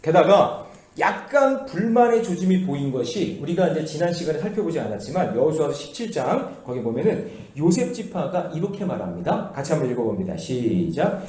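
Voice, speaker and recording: A man preaching a sermon as pastor, lively and playful, acting out the voices of the people he quotes. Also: on the high side, brisk. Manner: animated, acts out quoted voices in casual speech. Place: church sanctuary. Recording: echoey church hall.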